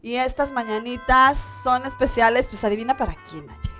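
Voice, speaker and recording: A woman from Mexico in her thirties hosts a small studio talk show. Her voice sits a little high, and she keeps a friendly, chatty tone with frequent laughter. Faint music plays in the background. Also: fairly quick. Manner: laughs often, warm and chatty.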